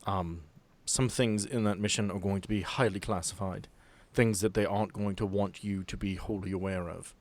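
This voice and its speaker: A man voicing a grave, commanding woman boss who briefs her agents in a tabletop game, measured and earnest. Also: lowish voice, fairly even intonation, a little mellow, close to an everyday voice.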